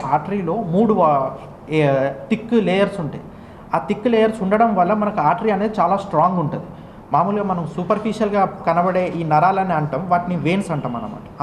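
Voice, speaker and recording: A man, the son of a patient, explaining a medical condition to a reporter, speeding up and slowing down as he goes. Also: sits high, slight background noise. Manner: explanatory, uneven pace, restarts. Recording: echoey room.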